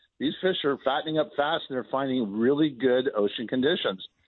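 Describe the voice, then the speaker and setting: Fairly quick speech from a man with an unremarkable speaking voice, fairly high in pitch, with ordinary pitch variation. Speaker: fishing report guest. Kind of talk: casual interview, fishing report.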